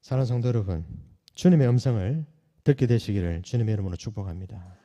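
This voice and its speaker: A man preaching a sermon as pastor, asking the congregation questions and swinging between loud calls and soft, hushed lines. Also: fairly low pitch, fast, highs cut off. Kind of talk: sermon at a night prayer meeting. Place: church sanctuary. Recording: long church hall reverb.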